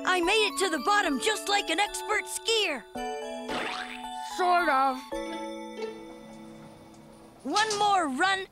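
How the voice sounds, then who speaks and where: A man's voice: very high-pitched, slow, pauses often. An actor voicing an earnest, nervous young male raccoon who talks eagerly to himself. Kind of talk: 1980s cartoon voice acting. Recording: cartoon soundtrack with loud music.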